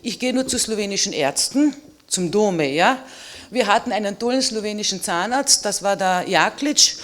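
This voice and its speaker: A woman's voice: medium pitch, expressive, normal speed, a bit bright. A middle-aged woman, a native Slovene speaker, giving an emphatic and personal statement as a historian on a panel.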